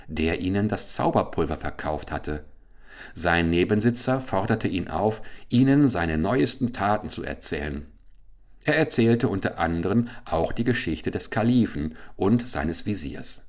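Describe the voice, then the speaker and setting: A man narrating a fairy tale for an audiobook in a calm, measured storytelling tone. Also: sits low.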